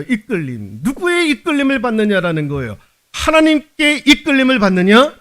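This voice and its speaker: A male pastor preaching at a Wednesday prayer service. He asks the congregation rhetorical questions with emphasis and drops to a soft, low voice for confessional prayers.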